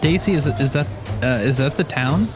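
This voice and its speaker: A man's voice: fairly high pitch, normal speed. Casual man player over faint music. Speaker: player in a tabletop game. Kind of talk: casual in-game talk.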